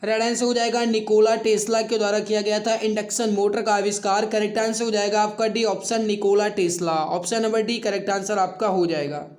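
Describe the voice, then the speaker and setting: A man's voice: high-pitched, little pitch movement, a little fast, hardly any pauses, a little mellow. A man speaking as an online exam-prep teacher, addressing students familiarly with emphatic repetition. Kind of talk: quiz lesson for exam students with promotional pitch.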